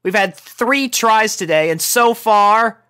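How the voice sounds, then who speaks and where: A woman's voice: medium pitch, slow, fairly bright tone, smooth, voice pushed up. A woman voicing a short-tempered but optimistic tomboy pegasus mare in a cartoon story, talking in a blunt, frank, casual way. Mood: frank, resigned.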